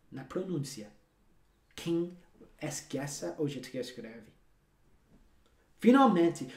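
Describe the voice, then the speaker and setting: A man's voice: fairly high pitch, darkish tone. A man whose first language is English, teaching a language lesson straight to the viewer in an emphatic, repetitive, coaxing way. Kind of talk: direct-to-camera language lesson. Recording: roomy echo.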